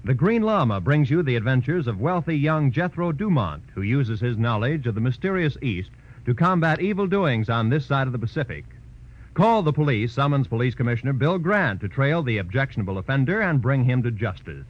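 Old timey american radio announcer guy, very animated and grand, muffled recording. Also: medium pitch, a little fast. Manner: grand, emphatic. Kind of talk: 1940s-50s radio announcing, scripted promo.

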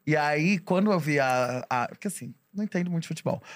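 Brazilian male, campy drag-queen style chatter, higher-pitched, theatrical and gossipy. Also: lively intonation, fast, dry recording. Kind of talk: casual gossip chat.

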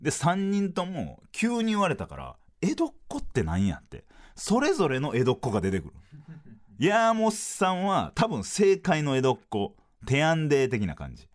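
Lively Kansai man spinning a story. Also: normal speed. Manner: animated, sing-song delivery with swooping pitch. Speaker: podcast host, comedian. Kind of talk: casual storytelling monologue.

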